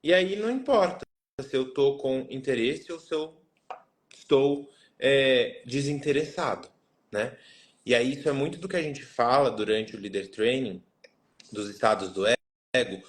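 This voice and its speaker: Um homem com sotaque brasileiro responde a uma pergunta como treinador, explicando passo a passo com calma. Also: male voice, mid-range voice. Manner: measured, explains step by step, often adds "né?". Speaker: trainer answering a question. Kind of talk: explanatory coaching talk.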